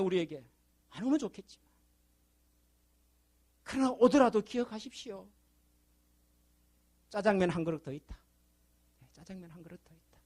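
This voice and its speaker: A male pastor preaching a sermon, telling a story to the children with questions to the congregation, then building to fervent appeals. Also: extremely high pitch. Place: church sanctuary.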